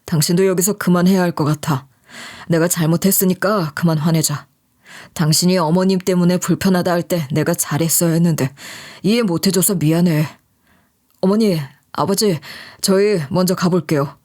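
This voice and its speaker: A woman voicing a calm, apologetic husband who speaks low and soothingly in a storybook reading. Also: normal speed, natural voice.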